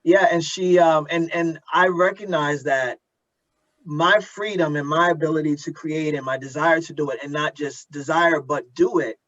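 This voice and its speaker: A middle-aged American man hosts a conversational interview. His voice is a little high for a man, and the sound is somewhat dull and lo-fi. He phrases things haltingly and thoughtfully, assembling each question piece by piece. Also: steady tone, a bit bright. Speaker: interviewer, host.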